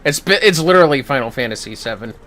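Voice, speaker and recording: A man's voice: medium pitch, animated, quick pace, sharp tone, soft background music. A man giving casual, sweary and reactive commentary while livestreaming a video game.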